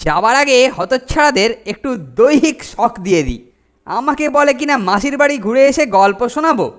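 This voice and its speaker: A man's voice: very high-pitched, expressive, a little fast, fairly bright tone. A man voicing a scheming, mocking older boy bully in a children's cartoon.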